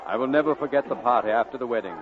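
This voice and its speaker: A man's voice: medium pitch, rapid-fire, crowd noise, background noise, natural voice. An actor playing a nostalgic old Welsh man, lyrically narrating his boyhood in a 1940s radio drama. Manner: lyrical, wistful storytelling. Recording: narrowband old radio broadcast with music.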